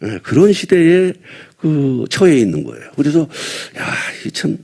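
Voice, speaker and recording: Older man with a husky, animated voice. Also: fairly high pitch, a little slow. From Seoul, South Korea. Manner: rambling, self-deprecating, chuckling between thoughts. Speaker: veteran actor at a film press event. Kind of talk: casual press-conference chat.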